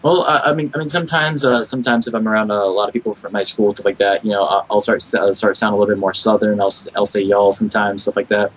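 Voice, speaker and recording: Young american guy, quick rambling casual chat, noisy background. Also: fairly low pitch, flat delivery. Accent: General American. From Florida, United States. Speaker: podcast guest, gamer.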